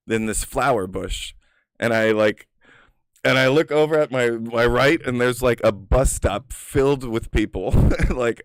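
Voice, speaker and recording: A man's voice: mid-range voice, smooth, no room sound, studio quality. A man casually telling personal stories in a rambling, profane way, full of filler words. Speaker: storyteller.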